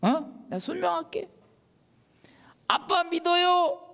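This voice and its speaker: A man's voice: lively intonation, slow, gravelly, pushed and bright, long reverb tail, full character voice. A man putting on a cooing little kid. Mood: sweet pleading. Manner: high, childlike and cooing. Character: small child pleading sweetly to daddy.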